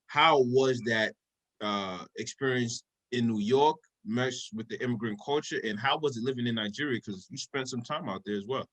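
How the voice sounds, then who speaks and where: A man's voice: mid-range voice, moderate pace, fairly bright tone, low-quality recording. Chill dude cohosting a podcast, medium voice, keeps saying bro and man. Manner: laid-back, friendly, calls guest "bro". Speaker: podcast co-host. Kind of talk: casual podcast conversation.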